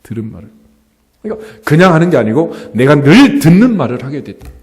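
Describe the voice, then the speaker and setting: A middle-aged male pastor preaching a sermon in a lively, conversational way, often asking the congregation rhetorical questions. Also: a little high, quick pace. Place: church sanctuary. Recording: church hall with long reverb.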